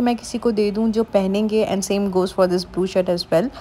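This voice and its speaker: A woman speaks over noticeable background noise. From Pakistan, Karachi. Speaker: beauty and lifestyle vlogger. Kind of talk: casual vlog.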